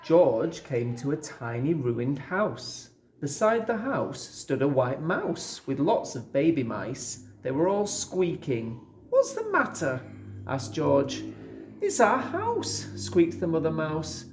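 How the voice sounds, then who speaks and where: A low-pitched woman reads a children's storybook at an unhurried pace. Her delivery is expressive, with lively swings, in an echoey, slightly noisy room. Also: faint music behind. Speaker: school staff member reading a picture book. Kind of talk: children's storybook read-aloud. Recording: echoey room with faint noise.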